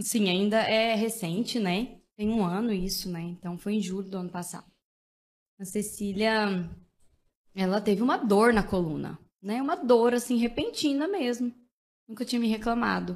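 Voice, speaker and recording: With an animated tone and a fairly high pitch, a woman speaks at a moderate pace with ordinary pitch variation and long, frequent pauses. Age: 30s. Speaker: entrepreneur. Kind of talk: casual chat.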